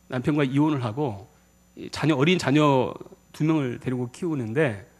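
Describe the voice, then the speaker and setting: A male pastor preaching a sermon in a church, asking the congregation questions. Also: on the high side. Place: church sanctuary.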